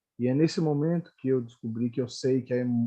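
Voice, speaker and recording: Here a man speaks at a very fast pace. His tone is dark and mellow, at a medium pitch. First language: Portuguese. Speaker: simultaneous interpreter. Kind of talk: simultaneous interpretation.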